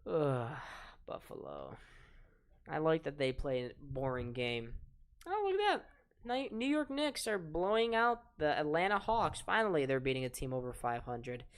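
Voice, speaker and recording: Soft-voiced teen man calling hockey. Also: a little high, sing-song, normal speed, clean tone. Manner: chatty, reads chat aloud and talks to viewers between plays. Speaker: play-by-play commentator and stream host. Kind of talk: live-stream hockey play-by-play, casual.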